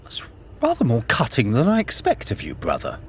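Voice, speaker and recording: An actor playing a sly, sardonic trickster god in an audio drama, speaking in an articulate, theatrical, wry way. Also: male voice, mid-range voice, wildly swooping pitch, a little fast, slight background noise. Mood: dry. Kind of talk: scripted audio drama acting.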